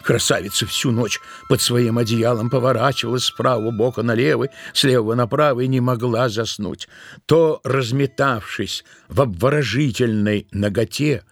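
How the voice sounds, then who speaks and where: A man's voice: medium pitch, normal speed, lightly acted. A man reading scripted literary narration as the narrator of an audio play. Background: music.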